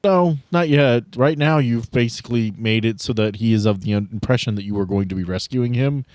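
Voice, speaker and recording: A man acts as game master in a close, dry recording. His mid-pitched voice moves haltingly between casual narration and sardonic banter, with easy swearing. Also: darkish tone, no echo.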